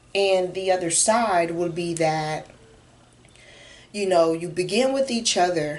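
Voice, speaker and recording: Her pitch fairly low, a woman speaks at a fairly slow pace amid audible room echo. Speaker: motivational talk channel host. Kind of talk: casual motivational talk. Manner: talking low.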